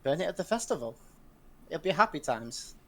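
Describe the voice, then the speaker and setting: A man's voice: on the high side, big pitch swings, brisk. A man playing a tabletop game, chatting casually in an eager way and stumbling over words. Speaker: player.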